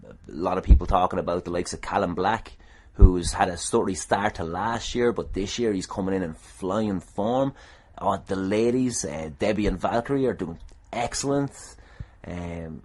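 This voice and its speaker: A man with an Irish accent and a deep voice talks casually as a solo podcast host. He is self-deprecating and irreverent, with the odd mild swear. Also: darkish tone. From Ireland.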